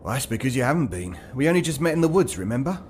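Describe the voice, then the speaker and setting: A man's voice: mid-range voice, big pitch swings, racing, darkish tone, a little hiss or hum, natural voice. An actor playing a wry, needling male shopkeeper in a horror audio drama, with a dry conversational delivery. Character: wry, needling shopkeeper from a haunted man's past.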